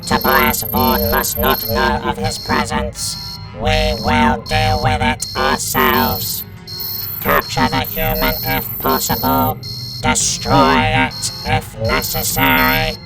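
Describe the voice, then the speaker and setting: A man voicing cold, emotionless cyborg invaders in a science-fiction audio drama, giving clipped, monotone orders through robotic processing. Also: fairly high pitch, slow, pauses often, over music, poor audio. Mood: cold, commanding.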